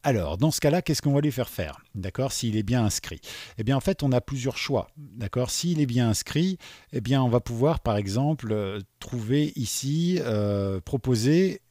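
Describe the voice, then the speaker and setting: A man's voice: mid-range voice, animated, normal speed, warm tone, no echo, clean studio sound. A man teaching beginners to code, thinking aloud as he types and often checking in with "d'accord?". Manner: chatty, thinks aloud while typing, frequent "d'accord?". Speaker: coding instructor. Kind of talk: screen-recorded coding tutorial.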